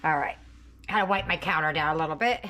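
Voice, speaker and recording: Deep, fast and sharp-toned, this woman's voice carries a home cooking video in which she chats casually between the kitchen and the family table. She's homey and talkative, eating as she speaks and sometimes talking with her mouth full.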